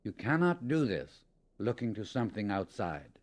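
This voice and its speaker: A man narrating a scripted spiritual audiobook in a measured, emphatic, instructional manner. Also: lowish voice, very animated.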